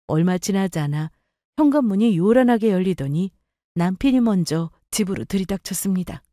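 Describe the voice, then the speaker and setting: A woman narrating a first-person family story in a calm, measured way. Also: medium pitch, dry recording, studio quality.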